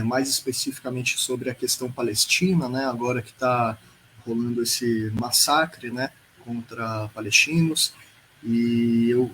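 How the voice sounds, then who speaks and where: A Brazilian man hosts a live podcast in a casual introductory style. His voice sits at an ordinary male pitch. There is noticeable ambient noise behind him. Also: fairly bright tone, poor audio. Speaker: podcast host.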